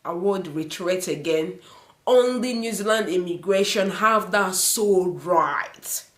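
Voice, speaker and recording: A woman whose first language isn't English speaks to the camera in an advice vlog about immigration, earnest and repetitive, with lots of fillers. Her voice sits on the low side, a touch bright and a little slow, in a roomy-sounding space.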